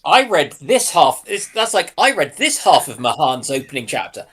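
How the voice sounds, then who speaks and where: Husky, lively male panelist. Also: fairly high pitch, moderate pace. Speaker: livestream panelist. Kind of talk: casual chat.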